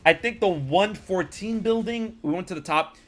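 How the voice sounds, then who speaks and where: A young American man hosting a podcast, telling a story in casual chat and acting out quotes with sudden loud jumps. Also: high-pitched, normal speed. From United States. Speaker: podcast host.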